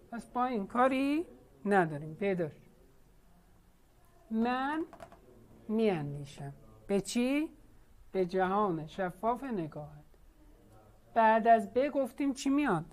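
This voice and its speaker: A woman's voice: mid-range voice, darkish tone. A woman teacher leading an online class, patiently questioning her students.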